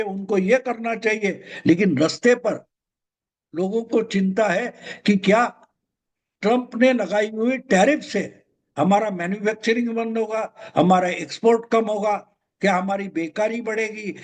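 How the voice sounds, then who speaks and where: Older male commentator, very high voice, emphatic and repetitive solo monologue. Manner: emphatic, repeats points. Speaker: political commentator.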